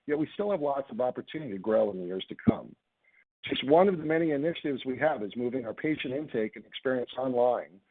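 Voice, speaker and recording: Business guy reading prepared strategy remarks, husky voice, thin phone audio. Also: mid-range voice, narrow, tinny audio. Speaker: company chief executive. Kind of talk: scripted earnings call presentation. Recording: thin phone conference line.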